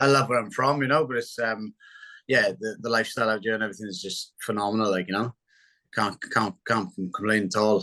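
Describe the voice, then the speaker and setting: A man with a strong Welsh accent speaks at a fairly quick pace, using a medium pitch and ordinary pitch variation. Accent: thick Welsh. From Wales. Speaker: MMA fighter. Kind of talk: interview. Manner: halting.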